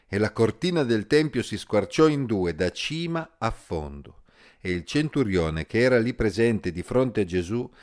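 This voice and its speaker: A man calmly reading scripture and giving a measured Bible commentary as the host of an episode series. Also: on the low side. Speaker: Bible teacher.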